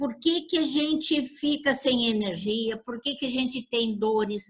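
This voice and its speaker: Very slow speech from a woman, high in pitch, with ordinary pitch variation. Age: 60s. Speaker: supplement sales trainer. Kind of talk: training talk.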